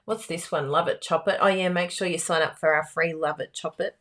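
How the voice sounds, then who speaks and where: A woman with a croaky voice, hosting a live card-making class in a chatty, giggly, self-teasing way. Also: fairly low pitch, fairly even intonation, fairly quick, a bit bright. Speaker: card-making instructor and livestream host. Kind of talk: live craft class chat.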